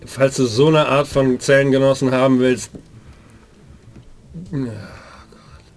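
A man playing a gruff ex-convict. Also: medium pitch, fairly even intonation, takes it slowly, faint music behind. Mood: sarcastic. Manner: curt, irritable, sarcastic. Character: gruff 45-year-old male ex-soldier convict. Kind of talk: in-character roleplay.

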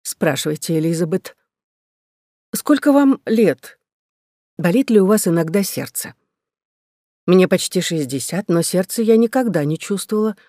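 A man voicing a nun of almost sixty, anxious and caring, speaking with soft hesitation. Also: high voice, expressive, normal speed, long pauses, no echo, clean studio sound. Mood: quiet.

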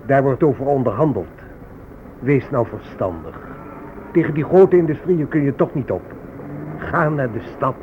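Man as pompous white official, mid-pitched, condescending, radio drama, noisy recording. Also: animated, moderate pace, long pauses, close to an everyday voice. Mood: impatient. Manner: pompous, patronising. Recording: noisy, thin narrowband old radio recording.

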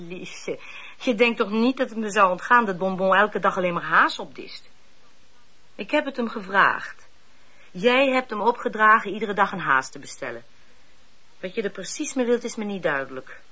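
A woman's voice: mid-range voice, lively intonation, normal speed, pushed and bright. An actress playing a shrewd, candid woman who probes and cautions in articulate sentences in a radio drama. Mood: probing. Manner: articulate, probing, admonishing. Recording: dull lo-fi radio recording.

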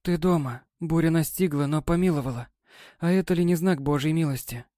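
A man voicing a gentle, loving wife of a sea captain in an audiobook, speaking softly and coaxingly. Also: on the high side, fairly quick, dry recording, studio quality, pitched above the performer's own voice, lightly acted. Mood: tender. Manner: soft, tender and coaxing. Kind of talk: audiobook character voice.

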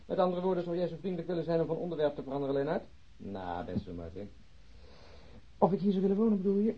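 A man's voice: a little high, animated, fast, breathy edge. An actor playing a jovial middle-aged male detective in a naturalistic radio play, bantering and ironic. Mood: teasing. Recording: dull lo-fi radio recording.

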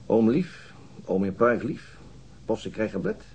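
A dogged police detective in a naturalistic radio drama. His voice is low and husky. He talks in a brooding, deliberate way, feeling for his words. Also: very animated, darkish tone, heavily acted, low-quality recording. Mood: dry. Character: dogged, troubled male police detective recounting his inquiry.

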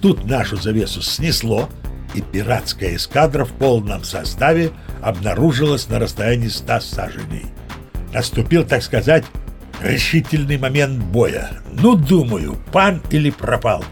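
Gravelly, boastful old sea captain. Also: male voice, mid-range voice, sing-song, a little slow, faint music behind. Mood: boastful storytelling. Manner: chatty, self-satisfied storyteller addressing the listener. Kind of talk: audio play storytelling monologue.

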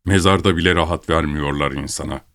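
A man's voice: extremely low pitch, steady tone, fairly quick, fairly bright tone. Man doing a blustering old general. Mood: indignant. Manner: stiff, blustering. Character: pompous indignant old dead general. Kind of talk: audiobook character reading.

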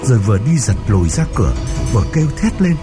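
A man's voice: on the low side, big pitch swings, fast. A man narrating a ghost story in a suspenseful, dramatic audiobook style, over background music.

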